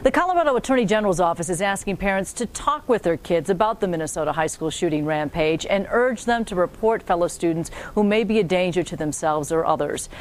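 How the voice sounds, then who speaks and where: A woman's voice: expressive, fast talker, hardly any pauses. An American woman anchoring a local newscast in a polished, formal, scripted newsreader delivery. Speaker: TV news anchor. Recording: clear background noise with low rumble.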